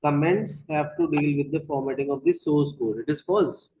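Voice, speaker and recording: A man's voice: a little high, normal speed, dark tone, slight background noise, low-quality recording. South Asian-accented man teaching an online class. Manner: switches between English and Hindi, prompting with short questions. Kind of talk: interactive online lesson, calling on pupils.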